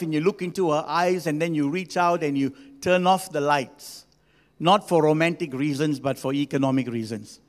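Guy around 60, pastor giving a sermon, kinda high voice, chatty w/ big pauses, lots of hall echo. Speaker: senior pastor. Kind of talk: sermon to a congregation. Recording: long hall reverb.

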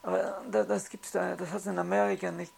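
A speaker from Austria with an Austrian accent, recalling things casually in a halting way with repeated words. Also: mid-range voice, little pitch movement, creaky, a little mellow. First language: German. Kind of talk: casual spoken recollection.

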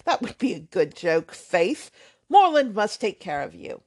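A woman voicing a boastful, blustering young man, loud and emphatic. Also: mid-range voice, sing-song, unhurried.

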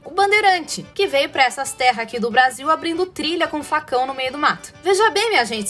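A woman's voice: high-pitched, fairly bright tone. A woman from inland São Paulo state with a strong caipira accent, hosting a podcast in a chatty, playful way with sarcastic asides. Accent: Brazilian caipira, rolled-back R. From interior of São Paulo state, Brazil. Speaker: podcast host. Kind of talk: casual educational podcast monologue.

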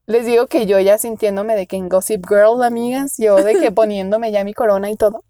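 A woman's voice: mid-range voice, fairly even intonation, fairly quick, warm tone, no room sound, studio quality. A young woman with a Mexican accent tells a dating story in casual chat, laughing often and squealing when she quotes herself. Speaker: podcast co-host.

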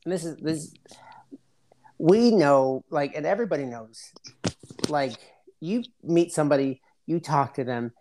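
A man explaining things in casual podcast chat, halting, with slangy, profane frat-bro talk. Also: a little high, a little mellow, a little hiss or hum.

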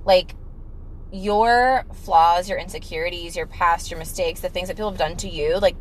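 A woman hosting a podcast, talking loudly and emphatically in a motivational, casual chat. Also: fairly low pitch, moderate pace, slight background noise, poor audio. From Italian family. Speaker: podcast host.

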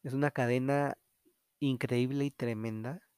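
A man's voice: medium pitch, steady tone, unhurried, darkish tone, clear, resonant tone, no room sound, clean studio sound. A man hosting a solo podcast, speaking in a candid, reflective, confessional way. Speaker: podcast host.

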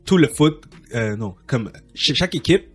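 Man, husky voice, rambling host, casual chat, faint music. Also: medium pitch, lively intonation, normal speed. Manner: rambling, many restarts and fillers, laughs often. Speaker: podcast host.

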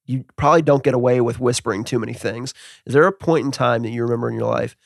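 A man hosting a casual interview, asking questions in a relaxed, friendly way. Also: mid-range voice, fast talker, vocal fry, no echo, clean studio sound. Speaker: podcast host.

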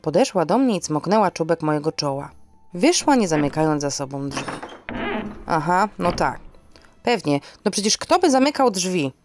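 A woman's voice: on the low side, sing-song, moderate pace, over music. A woman hosting a podcast and narrating a scripted first-person story in a wry, theatrical manner.

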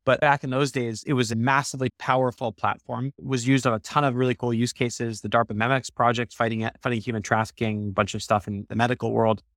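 A man in his thirties, a startup co-founder, answering interview questions quickly and animatedly, with many restarts. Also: mid-range voice, level tone, fairly bright tone, no echo, studio quality. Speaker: startup co-founder, podcast guest.

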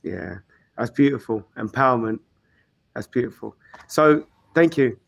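Man, gravelly fry, medium pitch, casual questioner. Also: animated, a little slow, no room sound. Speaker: participant asking questions. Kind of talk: casual conversation.

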